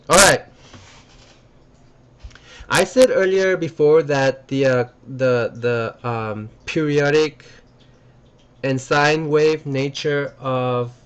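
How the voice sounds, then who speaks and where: A man talks his way through a recorded lecture, pausing often on fillers and restarting his sentences. His voice is smooth and resonant, at an ordinary pitch for a man. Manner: halting, many fillers and restarts.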